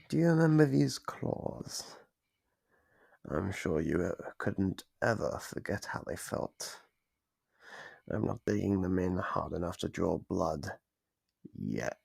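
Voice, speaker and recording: A man voicing a playful, sadistic monster from under the bed in an ASMR roleplay, gravelly and breathy, savoring his slow, mock-gentle taunts. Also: low-pitched, dry recording, studio quality, heavily acted. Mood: gleeful menace. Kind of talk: ASMR roleplay, scripted monologue. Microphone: close microphone.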